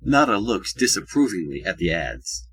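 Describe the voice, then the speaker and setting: A man with a husky voice reading scripted audio drama narration, with wry asides. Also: low-pitched, big pitch swings, moderate pace, fairly bright tone, low-quality recording.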